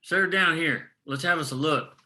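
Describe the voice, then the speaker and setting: A man playing a worried, protective ally of striking miners in a script read, urgent and forceful. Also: fairly high pitch, normal speed. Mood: concerned. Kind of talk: screenplay table read.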